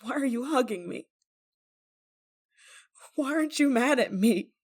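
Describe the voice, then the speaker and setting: A high-voiced woman acted by a female performer plays an obsessive yandere lover in an emotional audio roleplay. She is desperate and guilt-ridden, pleading in halting phrases that often stumble and stammer. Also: expressive. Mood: stunned, hurt. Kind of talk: ASMR roleplay monologue, emotional acting.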